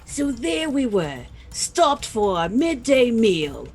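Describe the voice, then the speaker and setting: A woman's voice: fairly high pitch, big pitch swings, slow pace, faint music behind, heavily acted. A woman voicing a small, boastful Australian noblin adventurer telling a dramatic tall tale in a tabletop game. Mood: dramatic suspense.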